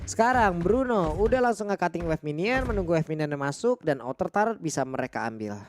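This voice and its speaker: An Indonesian man with a high voice commentates an esports match. His announcer delivery is colloquial, playful and exclamatory. Some ambient noise sits behind him. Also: animated, a little fast. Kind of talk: lively, joking game commentary in announcer manner.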